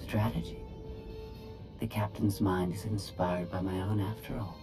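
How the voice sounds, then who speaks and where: A woman's voice: very deep voice, steady tone, a little slow. A woman voicing a cold, calculating female AI droid who speaks in a precise, condescending way. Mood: dry, superior. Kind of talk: video game voice acting. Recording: music bed under the dialogue.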